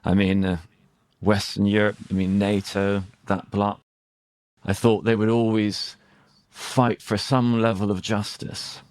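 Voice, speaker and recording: A British man, an English teacher, talking casually about current affairs in a searching, halting way with rhetorical questions. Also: fairly low pitch, flat delivery, darkish tone, smooth, dry recording, clean studio sound. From Britain. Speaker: English teacher and conversation host.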